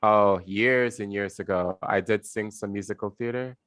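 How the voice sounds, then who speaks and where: A man's voice: lowish voice, moderate pace, clear, resonant tone, no room sound. A man taking an online voice lesson, talking loosely about his singing with many "like"s over a video call. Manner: relaxed, rambling with many "like"s, laughs at himself. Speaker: voice student. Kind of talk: casual chat with a teacher.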